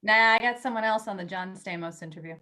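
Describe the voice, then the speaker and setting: A woman playing an eager, teasing young magazine editor in a staged play reading, talking in animated, halting bursts as she persuades. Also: medium pitch, natural voice. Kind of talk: virtual staged play reading, naturalistic dialogue.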